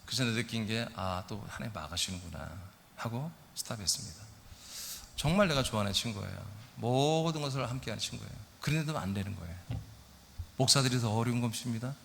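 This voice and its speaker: A man's voice: medium pitch, quick pace, gravelly, slight background noise. Man preaching in a ringing church hall. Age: middle-aged. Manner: lively preaching, asks the congregation questions. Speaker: pastor. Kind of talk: sermon. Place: church sanctuary.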